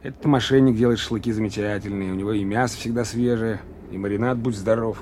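Man as police lieutenant over clear background noise. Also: lowish voice, steady tone, fast talker, darkish tone, close to an everyday voice. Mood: chatty, amused. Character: easygoing, grumbling male police lieutenant, a subordinate. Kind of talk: audio drama acting.

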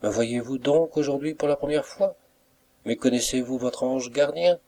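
A man reading an audiobook, voicing a mysterious young suitor who speaks gently and respectfully, with soft reproach. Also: lowish voice, steady tone, measured pace. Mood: tender.

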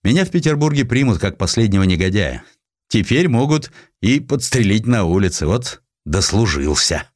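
A man's voice: fairly low pitch, big pitch swings, normal speed, no echo, studio quality. A man reading an audiobook voices a weary, fatalistic Russian general who broods dramatically on his death. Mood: bitter, resigned. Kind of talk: audiobook character acting.

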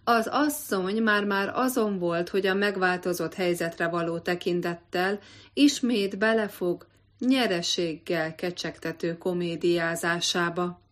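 Woman narrator, audiobook, expressive literary reading, lower pitch, measured. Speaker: audiobook reader.

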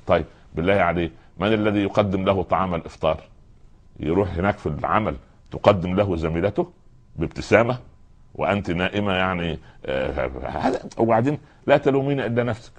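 Fast-talking, deep-voiced preacher. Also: male voice. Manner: earnest, admonishing, addresses listeners directly, acts out quoted voices. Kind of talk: sermon.

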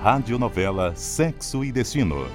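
A man's voice: medium pitch, very animated, normal speed, loud music behind the voice. A man with a Brazilian accent reading formal, emphatic scripted credits as a radio announcer. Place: radio studio.

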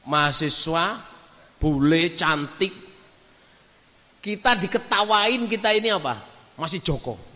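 A man's voice: a little high, expressive, slow pace, pauses often, sharp tone. A man preaching to a congregation, telling a story and acting out the quotes, sometimes mixing in English. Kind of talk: sermon. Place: mosque or prayer hall with a congregation. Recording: hall reverb.

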